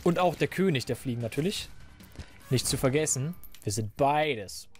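A man doing casual, rambling commentary while playing a game, a little hoarse and stuffy, into a desk microphone. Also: medium pitch, lively intonation, moderate pace, faint music behind. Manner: chatty, rambling, self-mocking. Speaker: let's player.

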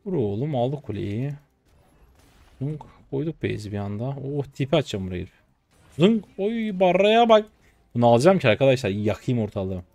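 A man in his twenties narrates his gameplay in a casual, excitable stream. His pitch swings widely as he jumps into high-pitched outbursts of trash talk. The voice sits close and dry on the mic. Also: brisk, no room sound. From Turkey. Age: 20s. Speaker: game streamer. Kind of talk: live gameplay commentary.

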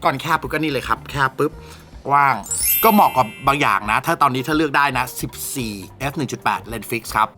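A young man chatting casually and excitedly as he reviews a camera lens, swearing now and then. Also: mid-range voice, quick pace. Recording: music bed under the voice.

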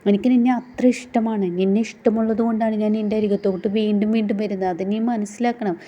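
A woman's voice: medium pitch, fairly even intonation, fast, mellow, close to an everyday voice. A woman voicing a jealous, scorned young woman who pleads for love and then turns bitter and threatening, on a dull lo-fi recording. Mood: pleading.

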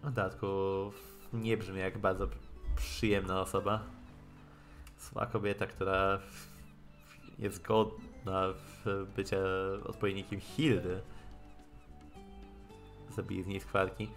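A man with a fairly low voice streams a visual novel. He reads the lines aloud haltingly, mixing in offhand commentary, with game music playing behind him. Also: level tone.

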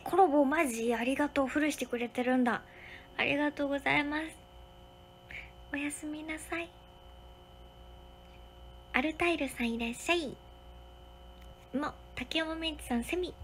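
A young woman, hosting a casual livestream from a hotel room and thanking viewers for their comments one by one, sometimes dropping to a soft whisper. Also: high-pitched, normal speed, pauses often, a little hiss or hum. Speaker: livestream host.

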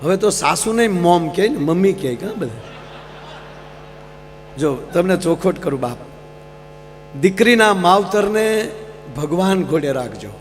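A man telling folksy humorous stories on a live stage, often addressing the audience as sir. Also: on the high side. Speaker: folk comedian. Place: large live stage program. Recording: reverberant live hall, faint mains hum.

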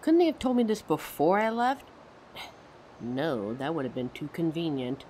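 Actress as female werewolf near thirty, lowish voice, anxious, sarcastic, audio drama, faint background noise. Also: big pitch swings, moderate pace, dark tone. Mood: grumbling.

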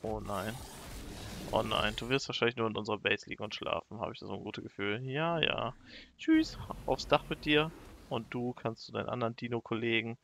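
A young man giving casual, excitable let's play commentary and talking to the animals in his game. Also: medium pitch, moderate pace, creaky, slight background noise. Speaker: gaming YouTuber.

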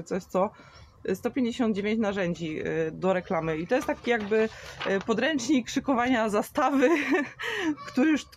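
A woman in her thirties talking on a live stream, answering viewer questions with a chatty, explaining manner and many fillers. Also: medium pitch. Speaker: marketing trainer for beauty salons. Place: outdoors in a garden.

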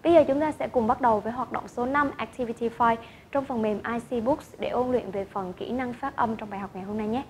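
A woman's voice: fairly high pitch, a little fast, a little hiss or hum. A woman teacher explaining intonation rules and modelling example sentences in an online lesson. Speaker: English teacher.

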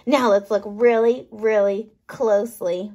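Slow, expressive woman reading to children. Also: mid-range voice. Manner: expressive, playful, emphasising words. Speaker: kindergarten teacher reading aloud. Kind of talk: children's picture book read-aloud.

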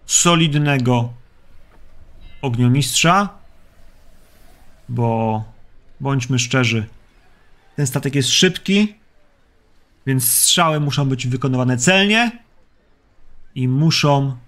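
A man's voice: medium pitch, takes it slowly, pauses often, a bit bright. A man voicing a stern, commanding male ship captain in a tabletop game.

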